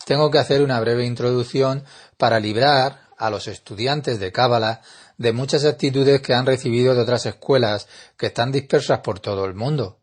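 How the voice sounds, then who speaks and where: A man teaching a spiritual lesson in an earnest, measured lecturing manner. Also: medium pitch. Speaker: Kabbalah teacher.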